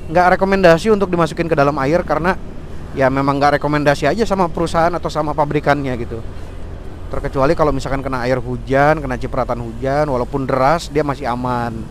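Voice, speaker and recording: A man's voice: a little high, fairly even intonation, quick pace. A man giving a chatty review while riding his motorbike, talking about himself in the third person, recorded through a helmet intercom mic. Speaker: motorcycle vlogger reviewing gear. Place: on a motorbike outdoors in traffic. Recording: faint road and traffic noise behind.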